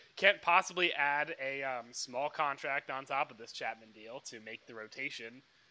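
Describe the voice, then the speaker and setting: In an animated tone, a man with a fairly high pitch talks at a moderate pace with hardly any pauses. His pitch variation is ordinary, though his loudness swings widely. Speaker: podcast host. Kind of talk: casual chat. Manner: joking, animated.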